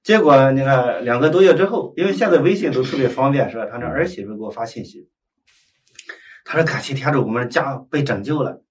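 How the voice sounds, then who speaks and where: A man preaching as a Catholic priest, telling a story with lively acted-out dialogue and frequent tag questions to his listeners. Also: mid-range voice, fairly quick. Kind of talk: storytelling sermon. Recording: voice heard from a distance.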